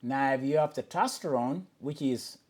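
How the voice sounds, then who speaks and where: A man's voice: mid-range voice, normal speed, a little mellow. A man hosting a podcast, delivering an impassioned, emphatic monologue and often restarting his sentences. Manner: emphatic, questioning, with frequent restarts and fillers. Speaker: podcast host.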